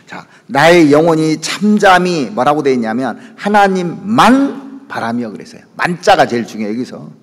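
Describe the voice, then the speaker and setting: A pastor preaches a lively sermon to his congregation, his highly animated voice leaping high and dropping low. He keeps turning to listeners with quick asides, and a long reverb trails his words in the church sanctuary.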